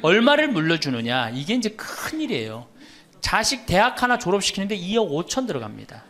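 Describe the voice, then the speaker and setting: A man's voice: high-pitched, huge pitch swings, fairly quick, a bit bright. A middle-aged man, a Catholic priest, giving a humorous lecture and telling stories to an audience. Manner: storytelling, quoting others, teasing the audience.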